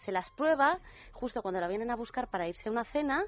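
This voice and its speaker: Lively intonation marks a woman's fairly high-pitched voice at a moderate pace. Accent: Madrid. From Madrid, Spain. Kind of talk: casual chat.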